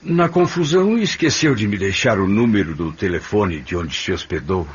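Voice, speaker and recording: An actor playing a grave, fatherly middle-aged man in a radio drama, speaking in a measured, deliberate way. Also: on the low side, expressive, slightly rough. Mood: somber. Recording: dull radio drama recording.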